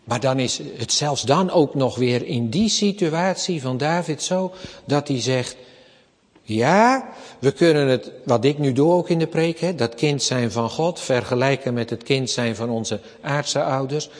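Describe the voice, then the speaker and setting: A man preaching a sermon as pastor, slow and emphatic, often rising to raised, forceful passages. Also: medium pitch. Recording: long church reverb.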